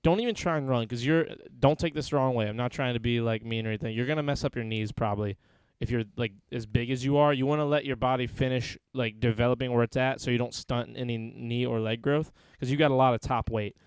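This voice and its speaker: A man's voice: medium pitch, clear, resonant tone, no room sound. A young American man co-hosting a casual podcast, swearing and laughing often as he chats and reads the live chat. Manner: profane, laughs often, fast and animated. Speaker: podcast co-host.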